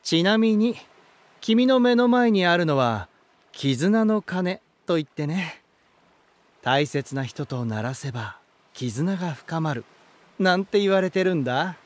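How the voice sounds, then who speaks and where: An elegant male lighthouse spirit from a voice drama. He speaks in a slightly high register at a slow, savouring pace. His manner is genial and theatrical, that of a storyteller addressing a guest. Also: lively intonation. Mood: proud, cheerful. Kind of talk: Japanese voice drama acting.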